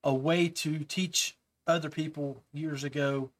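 A man's voice: on the high side, steady tone, a little slow. A man hosting a podcast, casually talking viewers through advice with many fillers and restarts. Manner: coaching tone, giving tips to beginners. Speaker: podcast host.

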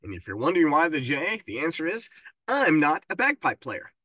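A man's voice: fairly high pitch, big pitch swings, a little fast, bright, forceful tone, no echo. A man hosting his own podcast in casual solo talk, his voice stuffed up from a cold and tripping over words now and then. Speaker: podcast host.

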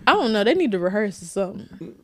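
A woman's voice: mid-range voice, big pitch swings, quick pace, vocal fry, a bit bright, a little hiss or hum. A woman with an African American English accent chatting casually as an interview guest, frank, slangy and swearing freely. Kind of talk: casual chat.

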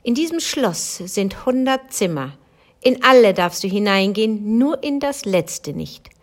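A menacing woman in black from a storybook gives orders and threats in a cold, commanding tone, voiced by a woman reading aloud. She sounds stern and unyielding, with no warmth in her voice. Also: medium pitch, lively intonation, unhurried, natural voice.

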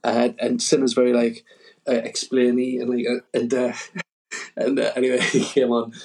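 A man's voice: medium pitch, little pitch movement, normal speed, darkish tone. A man, a stand-up comedian, telling stories in a rambling, casual way full of fillers and chuckles. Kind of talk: casual storytelling chat.

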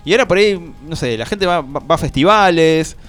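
A man's voice: a little high, animated, brisk, fairly bright tone, faint music behind. A man in his forties with an Argentine accent, chatting casually on a radio show in a rambling way, full of fillers and restarts. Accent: Argentine Spanish. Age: 40s. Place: radio studio. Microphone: studio microphone.

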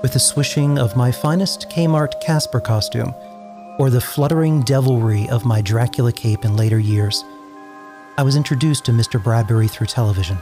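A man's voice: medium pitch, normal speed, music in the background. An American man in his forties from New England, narrating a scripted introduction as showrunner in a theatrical, lyrical storytelling manner. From New England, United States.

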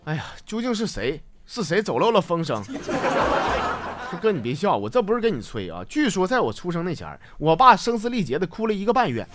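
A man's voice: high-pitched, huge pitch swings, a little fast. A man with a Northeastern Mandarin accent hosting a comedy show, telling listener jokes in a playful, teasing, laughing manner. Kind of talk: comic storytelling, reading jokes. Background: background music.

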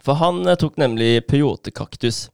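Gravelly-voiced man telling a story casually. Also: mid-range voice, dry recording, studio quality. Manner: animated retelling with many fillers and laughs. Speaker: podcast co-host.

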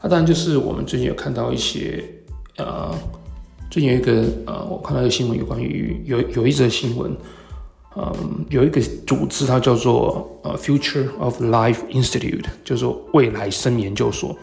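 A man speaks Mandarin with a Taiwanese accent in a mid-range voice full of heavy vocal fry. He explains his subject like a solo podcast host, in halting phrases broken by hesitant pauses. Soft music sits faintly behind him. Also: mid-range voice, steady tone. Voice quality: gravelly, creaky. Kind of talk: solo talk explaining tech and market topics.

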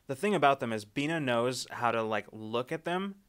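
A man's voice: medium pitch, animated, moderate pace, fairly bright tone, smooth. A man narrating as game master of a tabletop game, rambling with fillers and restarts.

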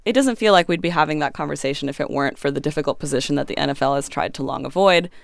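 A woman on a podcast panel, measured and analytical, on a close studio mic. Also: deep voice, creaky, dry recording. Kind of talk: casual panel discussion.

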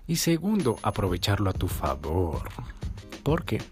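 Man, dating coach monologue, low voice, lively and crude, music playing behind. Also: unhurried. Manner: animated, acts out voices, swears, sound effects like "pum". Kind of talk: casual monologue to listeners.

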